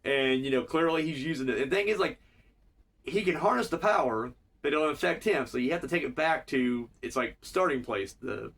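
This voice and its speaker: Man, gravelly, has a cold, casual profane episode review, rambling. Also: on the high side, lively intonation, a little fast, a bit bright, recorded from a distance. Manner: rambling, profane, filler-heavy.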